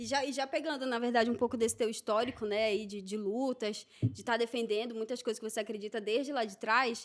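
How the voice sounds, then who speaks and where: Fairly quick, nearly pause-free speech with a slight Pará accent and fairly even intonation, on a very clean recording with a silent background. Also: woman. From Pará, northern Brazil. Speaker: podcast host. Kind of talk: interview.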